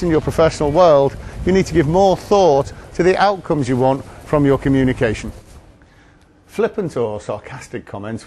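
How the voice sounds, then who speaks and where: A man presenting a training film in a measured, articulate, instructive way, as scripted narration. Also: medium pitch, warm tone.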